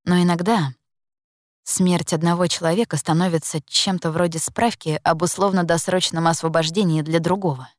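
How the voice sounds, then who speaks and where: A woman narrating a first-person story in a calm, measured, reflective reading. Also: lowish voice, no room sound, clean studio sound. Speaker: audiobook narrator.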